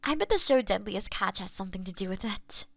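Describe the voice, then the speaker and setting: A woman's voice: medium pitch, lively intonation, fairly quick, gravelly, a bit bright, no room sound, voice pushed down. A woman playing a doting, playful cat owner in an intimate roleplay, cooing affectionately at her pet. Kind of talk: roleplay audio, intimate one-sided scene. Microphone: close binaural microphone.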